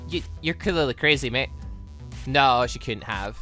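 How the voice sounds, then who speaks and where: Bright, animated gaming commentator. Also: mid-range voice, a little slow. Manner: animated, rambling, self-questioning asides. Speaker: gaming channel host. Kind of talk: let's play commentary, reading game dialogue aloud. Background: game music.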